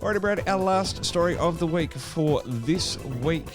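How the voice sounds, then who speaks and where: A man hosting a science talk show, relaxed, with frequent fillers. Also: on the high side, normal speed, over music. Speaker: show host. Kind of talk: casual science chat.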